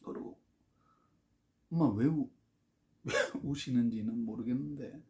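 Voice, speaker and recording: A man with a Gyeongsang accent telling a childhood story, halting and full of fillers. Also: mid-range voice, warm tone. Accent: Gyeongsang Korean. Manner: halting, with many fillers and restarts. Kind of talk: personal storytelling.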